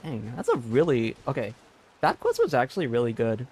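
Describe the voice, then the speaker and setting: A man's voice: medium pitch, wildly swooping pitch, fairly quick, a little mellow, husky. Casual, meandering male game streamer. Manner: informal, meandering, thinking aloud. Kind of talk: casual live gaming commentary.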